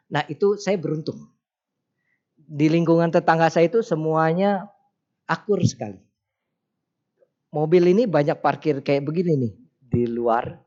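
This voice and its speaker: A middle-aged man, giving a casual Sunday sermon full of anecdotes and quickly acted-out bits of dialogue. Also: a little high, a little mellow, muffled recording. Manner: chatty, folksy, acts out dialogue in quick snippets. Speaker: Buddhist teacher giving a Sunday talk.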